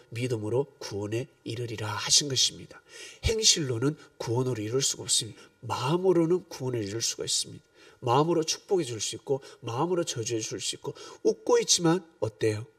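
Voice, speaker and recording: A middle-aged man preaching a sermon, telling stories with animated swings between calm teaching and loud bursts. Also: mid-range voice, dry recording, studio quality, recorded from a distance. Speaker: pastor.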